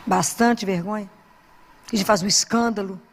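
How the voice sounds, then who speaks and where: A woman's voice: medium pitch, fairly even intonation, normal speed, long reverb tail, a little hiss or hum. A middle-aged Brazilian woman, a physician and lay preacher, talking earnestly and acting out little dialogues as she preaches. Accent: Brazilian Portuguese. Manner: earnest, conversational, acts out dialogue.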